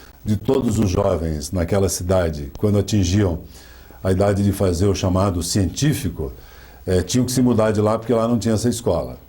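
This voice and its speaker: Through noticeable background noise, a man speaks at a fairly quick pace in a fairly low pitch with ordinary pitch variation. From northwest Paraná, Brazil. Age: 50s. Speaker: interviewee, former radio professional. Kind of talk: oral history interview.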